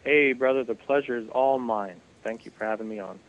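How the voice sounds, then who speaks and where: A man's voice: mid-range voice, fairly quick, lo-fi sound. A man, a guest on a Christian radio show, talking in a friendly way and laughing easily. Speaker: ministry guest. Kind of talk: radio interview conversation.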